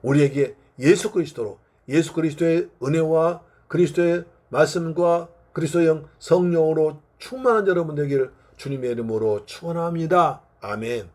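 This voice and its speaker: A man's voice: a little high, normal speed, hardly any pauses, darkish tone. A male pastor preaching a Sunday sermon with fervent, repetitive emphasis.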